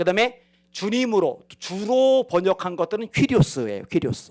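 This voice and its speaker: A man talks at a fairly quick pace with very wide pitch swings. The sound is dry and close, with no echo. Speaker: pastor. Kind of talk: bible study lecture. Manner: fast.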